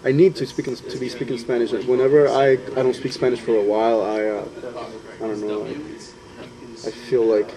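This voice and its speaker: A young man from Honduras talks thoughtfully about moving to the U.S., pausing often and restarting his sentences. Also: medium pitch, level tone, background noise. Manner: thoughtful, hesitant with fillers and restarts. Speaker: student interviewee. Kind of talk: personal testimony.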